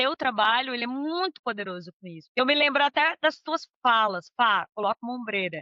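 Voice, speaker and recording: Lively in intonation, a woman speaks at a high pitch with hardly any pauses and big swings in loudness. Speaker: psychotherapist. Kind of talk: podcast interview chat. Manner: halting, with many restarts.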